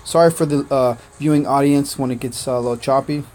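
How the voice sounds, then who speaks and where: A man born in Korea whose first language was Korean, chatting casually on a game livestream, thanking viewers by name and filling pauses with "uh" and "man". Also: mid-range voice, steady tone, darkish tone. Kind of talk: casual gaming livestream chat.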